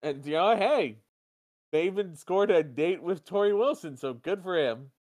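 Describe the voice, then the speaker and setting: A man's voice: high voice, animated, moderate pace, a little mellow. A man co-hosting a casual wrestling recap podcast, bantering loosely, laughing often and swearing freely. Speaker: podcast co-host.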